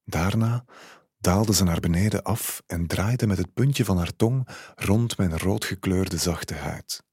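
A man calmly narrating a literary short story in the first person. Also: low-pitched, slow, slightly rough, no echo, clean studio sound.

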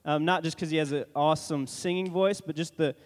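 A man's voice: on the high side, steady tone, a little fast. A man making casual church announcements, joking and rambling with many restarts. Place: church sanctuary. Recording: long reverb from a large church hall.

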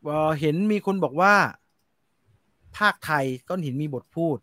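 Male film-show host, high voice, animated and blunt, dry sound. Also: unhurried, no room sound. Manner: animated, slangy and blunt, reads viewer comments. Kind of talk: casual film review chat.

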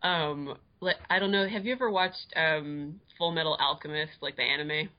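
A woman's voice: deep voice, normal speed, highs cut off. A woman co-hosting a podcast, chatty and often laughing. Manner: giggly, chatty. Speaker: podcast co-host. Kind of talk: casual podcast chat.

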